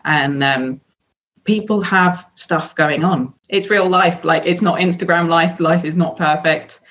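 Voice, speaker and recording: A woman's voice: lowish voice, measured pace, a bit bright, muffled recording. Candid English woman in her thirties. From England. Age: 30s. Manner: candid, chatty, with frequent "um" fillers. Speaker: guest, sobriety coach. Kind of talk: casual podcast interview.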